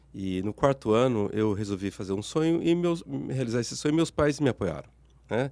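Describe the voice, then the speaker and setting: His pitch swings very widely at a moderate pace. The man's voice is medium in pitch, with a dark, mellow tone. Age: 60s. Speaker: author and leadership speaker. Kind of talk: podcast interview.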